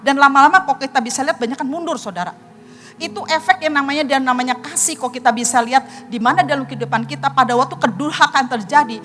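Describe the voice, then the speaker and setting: High-voiced woman pastor preaching earnestly. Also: a bit bright, long reverb tail. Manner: earnest storytelling, addresses the congregation directly. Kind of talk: sermon with personal testimony.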